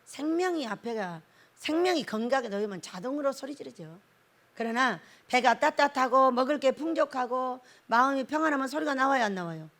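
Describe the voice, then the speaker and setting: A woman's voice: sits high, lively intonation, fairly quick, a bit bright. A middle-aged woman pastor giving a folksy sermon, laughing often and acting out prayers in quoted voices. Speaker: pastor, prayer house director.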